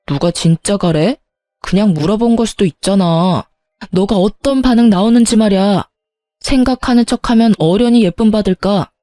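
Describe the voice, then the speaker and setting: A woman's voice: mid-range voice, normal speed, dark tone, no echo, lightly acted. A woman voicing an irritated husband who argues defensively and accuses his wife in a spoken story. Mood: accusing. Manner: accusing, huffy.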